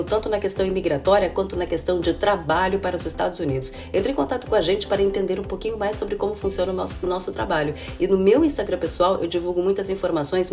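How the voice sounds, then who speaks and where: Filmed up close indoors beside window blinds, a thirtysomething woman with a cold-roughened, hoarse voice explains things chattily as a channel host and immigration consultant. Her mid-range voice has a darkish tone, and she keeps addressing viewers as "gente" with plenty of "né?" and "viu?" in this relaxed vlog.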